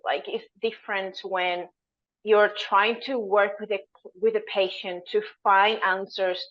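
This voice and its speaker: A woman's voice: mid-range voice, highs cut off. A woman in her thirties from Venezuela, answering as a dietitian guest in an interview. She explains things earnestly and sometimes searches for the right words.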